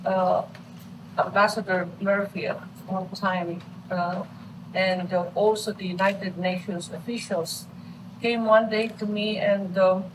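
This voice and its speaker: A woman guest recalling past events in a hesitant way, with many pauses and fillers. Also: mid-range voice, steady tone. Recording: clear background noise.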